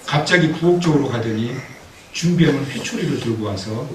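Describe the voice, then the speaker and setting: A man preaching a sermon as pastor, telling a story with acted-out quotes and building to loud exhortation, recorded in a church. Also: mid-range voice, lively intonation, brisk, a little hiss or hum. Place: church sanctuary. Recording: echoey church hall, mic at a distance.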